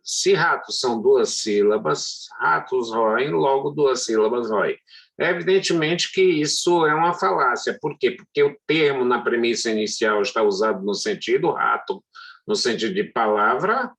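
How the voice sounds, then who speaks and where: A middle-aged man lecturing as a law professor, hesitant and full of drawn-out fillers. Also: medium pitch, animated, creaky, fairly bright tone, breathy edge. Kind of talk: university lecture.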